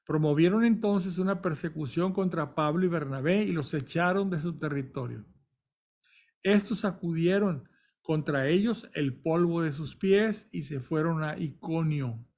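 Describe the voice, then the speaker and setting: A man's voice: on the high side, measured pace, darkish tone. A man reading scripture aloud and stopping now and then to explain it in plain words, with small restarts. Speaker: Bible reader and commentator. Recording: dull lo-fi recording.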